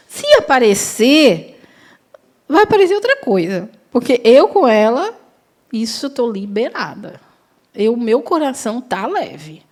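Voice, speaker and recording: A middle-aged woman teaching a class, telling a personal story and acting out the dialogue. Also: a little high. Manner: animated storytelling, acts out dialogue. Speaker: spiritist course teacher. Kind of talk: classroom lecture with personal anecdote.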